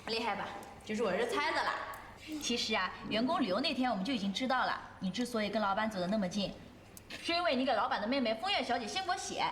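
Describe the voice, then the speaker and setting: Gossipy young coworker, lively swoops, roomy sound. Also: female voice, fairly high pitch, fast, slight background noise. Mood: teasing. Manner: chatty and insinuating. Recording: roomy drama recording, faint music.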